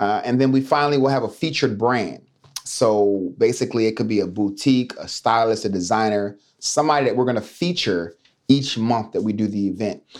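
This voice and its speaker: A man's normal speaking voice at a medium pitch, with an American accent, ordinary pitch variation and a fairly quick pace. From Baltimore, US. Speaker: fashion entrepreneur and show producer. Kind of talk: casual chat.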